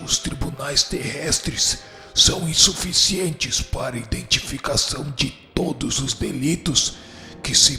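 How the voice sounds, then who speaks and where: A man acting a haughty dark spirit who judges the guilty in a radio drama, pompous, declamatory and scornful. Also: fairly high pitch, vocal fry, heavily acted. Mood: proud, severe. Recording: echoey hall reverb with music behind.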